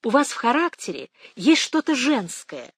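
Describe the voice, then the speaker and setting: A woman voicing a frank, warm-hearted middle-aged woman in an audiobook, direct and gently teasing. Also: a little high, sing-song, normal speed, breathy edge, dry recording, clean studio sound, exaggerated voice. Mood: candid. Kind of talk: audiobook reading.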